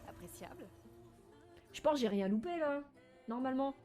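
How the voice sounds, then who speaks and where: A woman giving casual, animated live commentary while playing a video game, with a playful, teasing, mock-boastful manner. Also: sits high, moderate pace. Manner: animated, frequent laughing and exclaiming. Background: game music.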